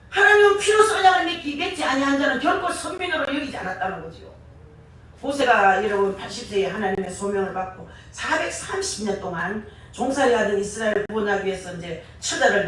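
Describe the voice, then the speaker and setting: Impassioned high-voiced woman preaching in echoey hall. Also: a little hiss or hum. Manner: impassioned, rising to shouts on key words. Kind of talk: sermon. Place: church sanctuary. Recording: echoey church hall, far from mic.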